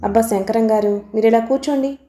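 A woman reading the part of a calm, reasonable young woman trying to make peace, in a roomy-sounding recording. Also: fairly high pitch, brisk, close to an everyday voice. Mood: pleading. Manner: gentle and persuasive.

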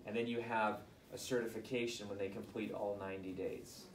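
A man coaching aspiring authors in front of a live audience, firing off quick advice and rhetorical questions. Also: on the low side, a little hiss or hum. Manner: energetic, rapid-fire advice with rhetorical questions. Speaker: book coach. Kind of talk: live group coaching session. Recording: roomy, distant mic, faint ambience.

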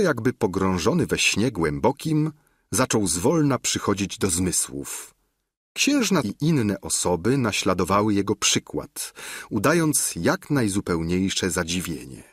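A man reading a classic novel aloud as an audiobook narrator, with a lively, expressive delivery. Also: fairly low pitch, measured pace, slightly rough, no room sound, clean studio sound.

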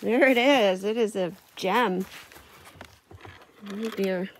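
A woman's voice: mid-range voice, slow. Chatty woman vlogging outdoors. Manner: chatty, laughs easily, many fillers. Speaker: camping vlogger. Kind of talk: casual outdoor vlog narration. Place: outdoors at a lakeside forest campsite.

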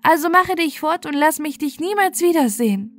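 Proud little fairy tale boy, done by a lady reader, highish and emphatic, music behind. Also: animated, normal speed. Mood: scornful, angry. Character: proud, cruel, scornful young boy, later remorseful.

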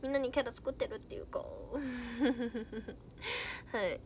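Bubbly high-voiced young woman streamer. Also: steady tone, normal speed, a little hiss or hum. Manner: bubbly, giggly, chatty. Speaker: idol livestreamer. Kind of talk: casual livestream chat reading viewer comments.

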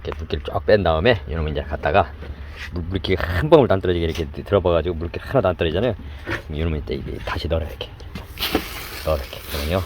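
A man's voice: low-pitched, rapid-fire, low-quality recording. A male cooking channel host giving a hands-on demonstration, repeating each step aloud as he works. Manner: repetitive running commentary while working, chanting instructions. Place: indoors with downpour outside. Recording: heavy rain noise behind the voice.

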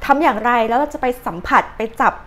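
Casting: young Thai woman, chatty advice vlogger, slightly high voice. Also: fast, a bit bright. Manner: chatty, uses many fillers and polite particles. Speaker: channel host, astrology and advice vlogger. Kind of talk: casual chatty explainer, translating tips.

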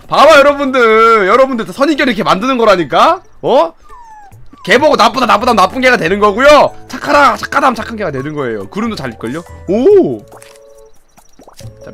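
A young man commentating a game he streams, excitable and playful, laughing, shouting and swearing as he goes. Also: high voice, brisk, faint music behind. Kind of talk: casual gameplay commentary.

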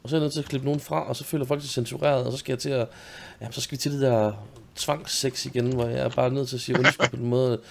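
A man's voice: medium pitch, level tone, gravelly, slight background noise. A young man from Denmark, hosting a gaming video, telling a home story in casual chat, laughing often and swearing freely.

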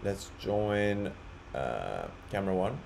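Man, lowish voice, very unhurried, casual tutorial presenter, halting step-by-step explanations. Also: sing-song, a little mellow. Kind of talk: casual screen-share walkthrough. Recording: clearly audible background noise.

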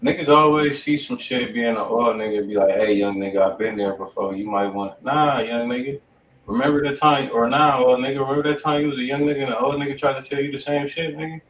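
A man's voice: medium pitch, steady tone, fast talker. A man with an American accent co-hosting a show in blunt, profane, slangy casual chat. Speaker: music review show co-host. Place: indoor room with desk and studio monitors. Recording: roomy, distant mic, background noise.

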